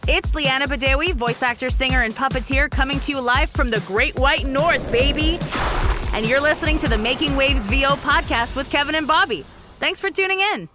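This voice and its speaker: A woman's voice: sits high, brisk, over music. A woman from Canada, a voice actor and singer, giving an upbeat promo announcement.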